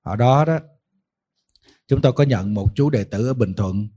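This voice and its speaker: Middle-aged monk, mellow tone, colloquial teasing sermon storyteller. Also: male voice, medium pitch, moderate pace. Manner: chatty, colloquial, teasing humor. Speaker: Buddhist monk teacher.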